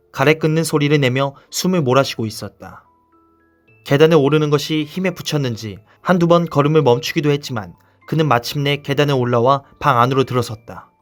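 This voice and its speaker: Music plays behind a man who speaks at a moderate pace, pitched fairly high with ordinary pitch variation. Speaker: audiobook narrator. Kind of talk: audiobook reading of a classic detective novel.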